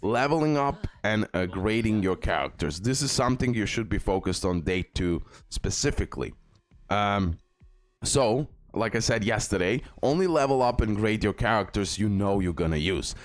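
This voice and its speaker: A man's voice: on the low side, lively intonation, moderate pace, dry recording. A man who speaks English as a second language gives a casual, instructive mobile game tutorial, repeating and stressing his key tips. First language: not English. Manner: instructive, repetitive, emphatic about key tips. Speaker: gaming video creator and guide.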